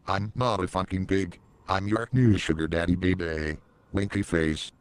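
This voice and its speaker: A man's voice: low-pitched, steady tone, moderate pace, clean tone, lightly acted. A man voicing a cheeky, crude, smug flirt in a comic animation. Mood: smug, flirty.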